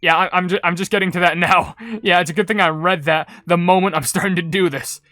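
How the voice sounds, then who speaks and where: A man's voice: high voice, fairly even intonation, quick pace, sharp tone, no echo. A man hosting a gaming video, chatting casually and rambling as he comments and reads aloud.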